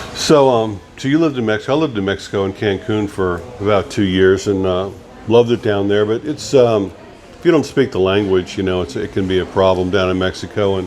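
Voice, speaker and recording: The pitch variation is ordinary, with noticeable background noise present. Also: man, fairly low pitch for a man, fairly quick pace. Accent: American. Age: 60s. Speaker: interviewer, expat channel host. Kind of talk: casual interview chat.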